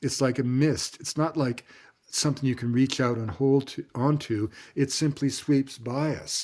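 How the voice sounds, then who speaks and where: A man with a normal speaking voice, medium pitch, moderate pace and fairly even intonation, on a very clean recording with a silent background. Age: 60s. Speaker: anthropologist and author. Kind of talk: interview.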